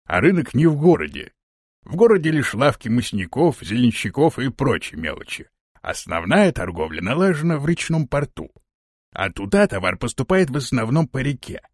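Man doing a husky, deadpan companion. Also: mid-range voice, moderate pace, no room sound, clean studio sound. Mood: calm. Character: calm, unhurried adult male companion.

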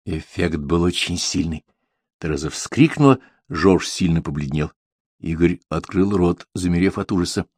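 A man narrating an audiobook in a steady, even storytelling manner. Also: low voice, normal speed, breathy edge, no echo, clean studio sound. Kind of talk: scripted narration.

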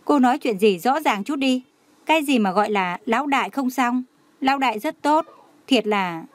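A woman's voice: fairly high pitch, expressive, moderate pace, no echo, close to an everyday voice. A woman voicing an exasperated male company director who rants dramatically. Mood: irritated. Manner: exasperated, ranting.

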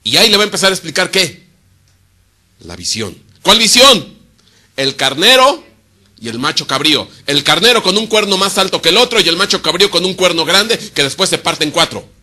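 Male preacher, sermon, fairly high voice, very bright tone, rhetorical questions, loud then hushed. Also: big pitch swings, a little fast. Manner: asks rhetorical questions and answers them himself; swings between loud emphasis and quiet, low asides.

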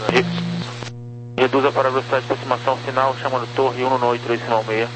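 A man's voice: mid-range voice, little pitch movement, fast. A man with a Brazilian accent giving clipped air traffic control instructions over a radio. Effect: radio transmission. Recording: noisy radio channel with hum.

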